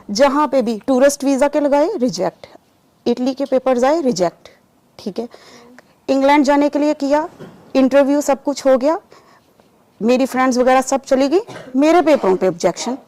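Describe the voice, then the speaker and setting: Mellow-voiced woman telling her story. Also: high voice, normal speed, dry recording. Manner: lively storyteller acting out remembered dialogue. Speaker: guest giving a testimony. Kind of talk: personal testimony interview. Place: lives in Saudi Arabia.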